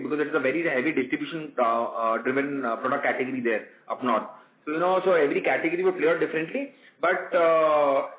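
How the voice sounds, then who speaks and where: A man with an Indian accent giving explanatory answers as a company executive on an earnings call. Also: fairly high pitch. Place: conference call. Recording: muffled, roomy conference phone line.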